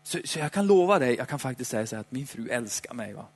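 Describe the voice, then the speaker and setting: A man preaching a sermon in a chatty, playful way, slowing down for dramatic emphasis. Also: medium pitch, expressive. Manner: conversational, dramatic slowdowns, playful asides. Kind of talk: lively sermon. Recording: hall reverb.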